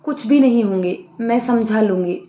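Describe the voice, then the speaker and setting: A woman voicing a caring middle-aged mother who speaks gently and firmly. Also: a little high, normal speed, lightly acted. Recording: roomy lo-fi room sound.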